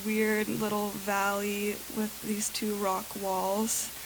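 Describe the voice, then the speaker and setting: Amid noticeable background noise and audible room echo, a woman speaks at a very slow pace. Her fairly high voice is monotone and flat. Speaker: testimony speaker. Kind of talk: testimony. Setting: church brunch with audience.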